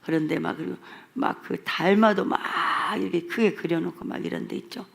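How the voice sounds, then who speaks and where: A woman's voice: fairly low pitch, fairly even intonation, a little fast, creaky. A woman pastor with a Jeolla accent preaching a revival sermon in an emphatic, repetitive, scolding manner. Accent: Jeolla Korean.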